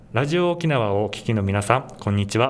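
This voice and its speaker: Noticeable background noise under a man's fairly quick speech. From Japan, Chiba. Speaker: professional basketball player. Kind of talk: interview. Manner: hesitant, with fillers and laughs.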